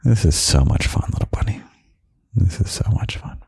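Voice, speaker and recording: Very deep, gravelly whispering man. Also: expressive, no echo, clean studio sound. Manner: gentle, slow and half-whispered, with soft chuckles. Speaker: podcast host. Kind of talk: soft-spoken ASMR comfort talk. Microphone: close microphone.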